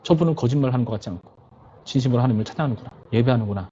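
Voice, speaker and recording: A man's voice: medium pitch, very fast, warm tone, muffled recording, slight background noise. A male pastor preaching to a youth service in a conversational way, often putting questions to his listeners.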